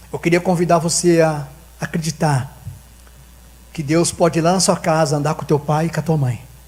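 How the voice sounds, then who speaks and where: A man is speaking here. His pitch is fairly high, and his pace is moderate. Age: 60s. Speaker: pastor. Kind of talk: sermon. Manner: animated.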